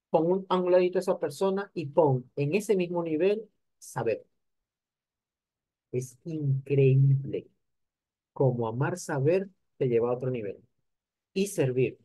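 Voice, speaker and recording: An older man delivers an animated motivational lecture. His voice sits a little high yet sounds warm and mellow. It is recorded dry, with almost no room sound. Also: no room sound. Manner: animated, addresses the audience directly. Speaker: conference speaker.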